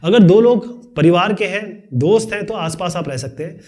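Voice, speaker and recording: Man, teacher, high voice, fast video lesson, chatty, joking asides. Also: a little mellow. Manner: quick, chatty explaining with asides and jokes.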